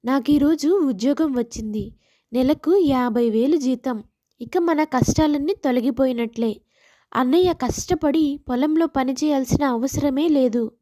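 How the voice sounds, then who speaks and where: A woman's voice: sits high, measured pace, warm tone, no echo. A woman voicing a dutiful, affectionate young brother-in-law in a family moral story, eager in manner. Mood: delighted.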